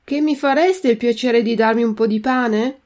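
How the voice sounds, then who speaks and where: A woman's voice: fairly high pitch, normal speed, darkish tone, pitched above the performer's own voice, close to an everyday voice. Brief: woman doing a timid hungry puppet boy, pleading, storybook. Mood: supplichevole.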